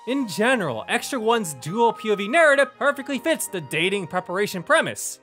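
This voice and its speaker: A man's voice: high-pitched, fairly bright tone. A man narrating a scripted review with enthusiasm, in a playful, gushing and emphatic manner. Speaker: video reviewer.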